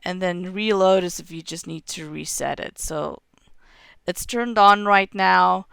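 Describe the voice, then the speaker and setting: A woman in her thirties walks through game settings step by step, her voice low and gravelly from a cough. She talks into a headset mic at home, and the sound is close and dry, with the odd throat clear. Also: dry recording. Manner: steady step-by-step explaining, clears throat now and then. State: has a cough. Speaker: game tutorial host. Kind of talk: screen-recorded game tutorial. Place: home room.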